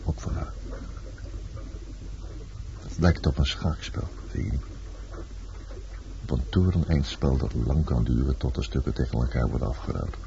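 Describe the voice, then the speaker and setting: An actor in a Dutch radio play playing a world-weary, blunt lover and sailor, terse and fatalistic. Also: male voice, extremely low pitch, moderate pace, gravelly, pauses often, dark tone. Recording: dull, noisy old radio drama recording.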